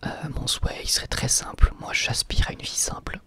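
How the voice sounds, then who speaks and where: A man whispering softly in an ASMR question-and-answer video, pausing often on hesitant fillers. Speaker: ASMR channel host.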